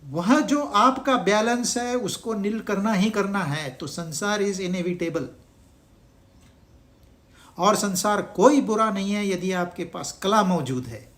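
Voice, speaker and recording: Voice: mid-range voice, slow, a bit bright. A spiritual teacher giving a scripture discourse, asking the listeners rhetorical questions and mixing English words into the talk.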